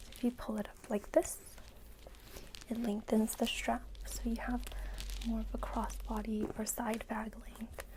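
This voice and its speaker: A soft-spoken woman at a fairly slow pace, with long, frequent pauses and noticeable background noise. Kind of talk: ASMR unboxing, soft-spoken talk to camera.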